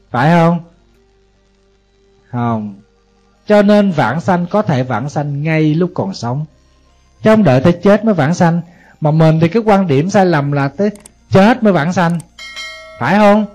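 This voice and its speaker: Southern Vietnamese monk giving a sermon. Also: male voice, a little high, lively intonation, unhurried, long pauses, darkish tone. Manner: conversational, asks the audience rhetorical questions. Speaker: Buddhist monk, teacher. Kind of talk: Buddhist sermon. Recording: dull lo-fi audio, faint music behind.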